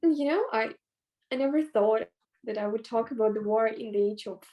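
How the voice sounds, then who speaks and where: A twelve-year-old girl with a Ukrainian accent, giving halting, earnest personal testimony over a video call. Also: a little high, mellow, low-quality recording. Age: child, twelve. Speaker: young participant in a play reading.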